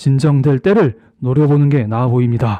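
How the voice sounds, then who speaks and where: The speaker is a man at medium pitch with a dark, mellow tone. His pitch varies in an ordinary way. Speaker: finance YouTuber. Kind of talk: market commentary. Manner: fast.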